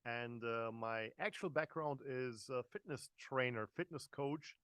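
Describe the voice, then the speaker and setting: A man's voice: mid-range voice, unhurried, a bit bright, clear, resonant tone. A man in his forties with a German accent delivers a live online business presentation, with a mid-range voice. He talks loosely and directly to listeners, full of fillers and restarts. The sound is dry, with no room echo. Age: 40s. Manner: chatty, hesitant, many fillers and restarts, addresses the audience directly. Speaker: network marketing presenter.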